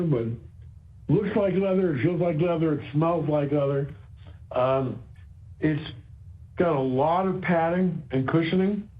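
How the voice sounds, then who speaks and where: A man speaking as a company executive on an earnings call, explaining in a halting way and repeating phrases for emphasis. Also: fairly high pitch. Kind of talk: earnings call remarks, semi-prepared explanation. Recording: dull, band-limited conference call audio.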